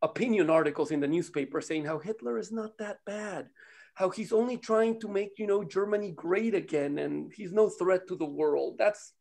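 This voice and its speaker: A man from Costa Rica with a fairly high voice talks casually and tells stories. He is a native Spanish speaker who wanders into tangents in an animated way, with some swearing. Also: normal speed, gravelly. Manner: animated, swears freely, digressive. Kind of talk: casual chat, storytelling.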